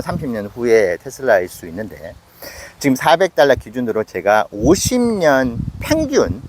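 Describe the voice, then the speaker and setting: Casual investing host, man in his late forties, lively delivery. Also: mid-range voice, slight background noise. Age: 40s. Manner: conversational, self-questioning with acted asides. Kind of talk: casual investing talk to camera.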